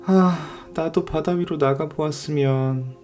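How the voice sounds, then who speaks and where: Man voicing a high, wistful young mermaid princess. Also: a little slow, over music, lightly acted. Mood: wistful, curious. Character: young mermaid princess, longing and innocent girl.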